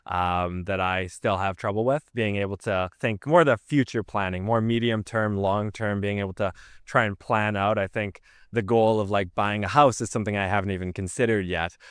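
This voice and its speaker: Clear-voiced male law student in his twenties. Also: lowish voice, steady tone, moderate pace, a bit bright, dry recording, studio quality. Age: 20s. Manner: reflective, rambling answers.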